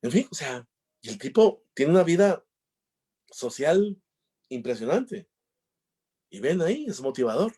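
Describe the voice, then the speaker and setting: A man's voice: fairly high pitch, big pitch swings, a little slow, pauses often, mellow, breathy edge. A man giving a talk on emotional intelligence, telling jokey stories and acting out the dialogues. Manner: jokey storyteller, acts out dialogues. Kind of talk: conference talk with anecdotes.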